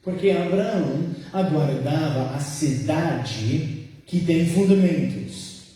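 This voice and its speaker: A man with an American accent, a native English speaker, preaching a sermon and reading scripture in slow, careful, halting speech, recorded from far off in a church sanctuary. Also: a little high, expressive, dark tone. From United States. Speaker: guest preacher. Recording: echoey church hall from far off.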